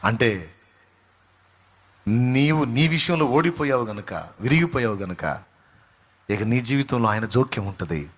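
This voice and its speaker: A man's voice: mid-range voice, lively intonation, measured pace, pauses often. A male pastor preaching a sermon, fervent, with his voice rising to emphatic peaks and quotes delivered dramatically.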